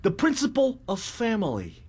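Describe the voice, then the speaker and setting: A smooth-talking army captain, played by a man in a stage play. His polite, coaxing voice moves lively up and down. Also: sits high, normal speed, pitched above the performer's own voice, full character voice. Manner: polite, coaxing, deferential to superiors.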